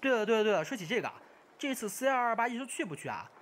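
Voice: medium pitch, sing-song, a little hiss or hum, close to an everyday voice. A performer in an amateur radio drama playing a hyperactive young male gamer who chatters, repeats words and badgers indignantly. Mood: pestering. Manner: rapid-fire, repetitive, badgering.

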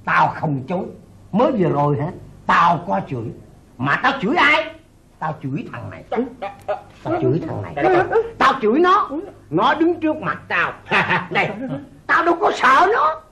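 Blind fortune teller, boastful, cheeky, sing-song, lively swings, bright tone, roomy echo. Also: male voice, sits high, moderate pace, vocal fry, heavily acted. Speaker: comic opera character. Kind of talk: 1980s Vietnamese folk opera acting.

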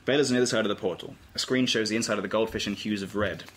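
A man's voice: lowish voice, fairly even intonation, rapid-fire, a bit bright. A man narrating scripted stage directions aloud at an informal table read. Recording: noisy amateur room recording, clicks.

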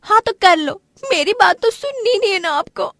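Shy worried young indian bride for a cartoon, really high voice, dry sound. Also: female voice, animated, moderate pace, sharp tone, dry recording, exaggerated voice. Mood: plaintive. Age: young adult. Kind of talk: Hindi animated family drama voice acting.

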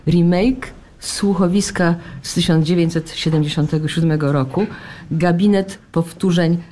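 A woman's voice: on the low side, fairly even intonation, moderate pace. A woman presenter announcing credits live on stage in a ceremonious, emphatic manner. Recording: live festival stage, loud audience noise. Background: loud crowd.

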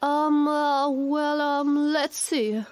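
A woman's voice: sits high, level tone, very slow. A woman voicing a sly, stubborn male cartoon cat who insists and wheedles. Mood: pleading. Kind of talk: animated cartoon dub. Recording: cartoon music behind the voice.

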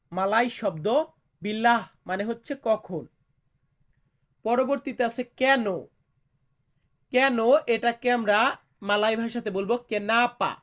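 Slow, deliberate Bengali language teacher man. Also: high-pitched, fairly bright tone. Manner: repeats each word and its meaning deliberately. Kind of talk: slow vocabulary lesson.

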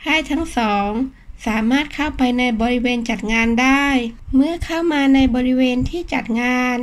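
Woman, audiobook narrator, high-pitched, steady scripted narration. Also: moderate pace, slight background noise.

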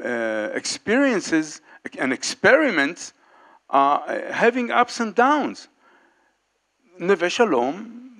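A man's voice: on the high side, a bit bright. A man in his sixties speaking on a panel in a meeting hall, holding a handheld mic, with many fillers and restarts. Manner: halting, many fillers and restarts, gestures while talking. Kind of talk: unscripted panel remarks. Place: large indoor meeting hall, panel table.

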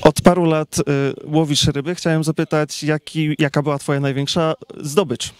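A man's voice: a little high, level tone, normal speed. A young man, asking interview questions outdoors as a TV reporter with a handheld microphone. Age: 20s. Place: outdoors in a garden with trees.

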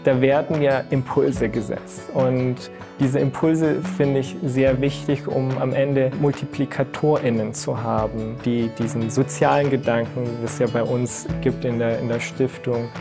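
A man's voice: medium pitch, little pitch movement, unhurried, creaky. A man from Iran giving hesitant interview answers with fillers in a studio, wearing a lapel mic. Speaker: scholarship holder. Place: studio against a colored backdrop. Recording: guitar music underneath.

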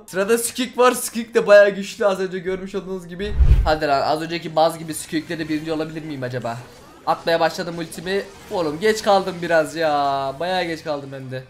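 A young man hosting a gaming channel, giving excited gameplay commentary, talking rapidly, repeating phrases and shouting at the game. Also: high-pitched.

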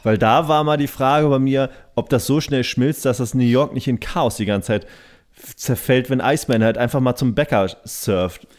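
A man's voice: medium pitch, moderate pace. Rambling joking podcast man. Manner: rambling, joking, loud bursts. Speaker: podcast co-host. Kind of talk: casual comedic chat.

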